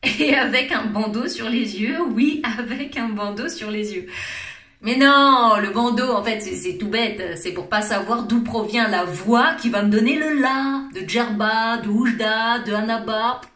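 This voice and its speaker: A woman's voice: fairly high pitch, unhurried, fairly bright tone. A woman with a French accent doing a playful, theatrical comic monologue, teasing and laughing often. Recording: roomy echo.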